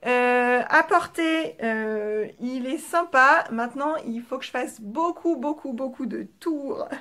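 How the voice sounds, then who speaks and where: A French-accented woman talks through her knitting in a relaxed, chatty way, filling gaps with little fillers. Her voice sits a little high. She speaks toward a camera as a podcast host. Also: slow pace. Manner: chatty, relaxed, with frequent fillers and soft trailing asides. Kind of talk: casual show-and-tell chat. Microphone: camera facing the speaker.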